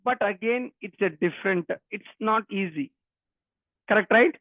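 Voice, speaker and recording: Telugu guy w telugu accent teaching coding, high voice, repeats himself, dry tinny call audio. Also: moderate pace, no echo. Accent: Telugu Indian English. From Telangana, India. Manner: repeats phrases and questions, often addressing students. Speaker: programming instructor. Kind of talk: interactive online technical lecture. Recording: narrow phone-like line.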